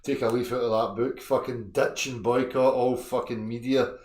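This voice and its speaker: A man's voice: medium pitch, flat delivery, moderate pace, darkish tone. Blunt, swearing man in an echoey room. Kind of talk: casual chat on an open call-in platform.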